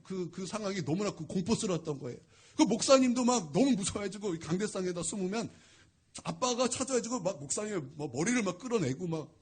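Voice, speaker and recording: A man preaching a Sunday sermon as a pastor, telling a story with lively acted-out dialogue. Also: high-pitched, husky. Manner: animated, acts out quoted dialogue. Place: church sanctuary.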